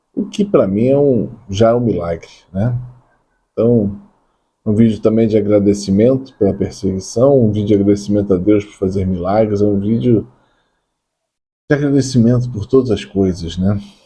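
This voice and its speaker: A man's somewhat breathy voice has a dark, mellow tone and ordinary pitch variation. He moves at a moderate pace with long, frequent pauses, and room echo is audible. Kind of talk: informal sermon talk to camera. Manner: soft-spoken. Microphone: new more sensitive microphone.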